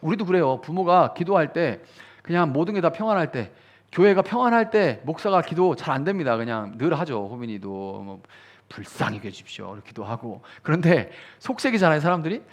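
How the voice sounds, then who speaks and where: A man's voice: on the high side, very animated, a little fast, lo-fi sound. A male pastor giving a sermon at a midweek prayer meeting, talking in an easy conversational way, acting out quoted prayers and rising to fervent emphasis.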